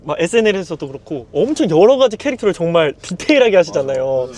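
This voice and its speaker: A young band member co-hosts with polite, agreeable remarks. His voice is high for a man and swings widely. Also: sing-song, fast, a little mellow. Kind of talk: casual chat.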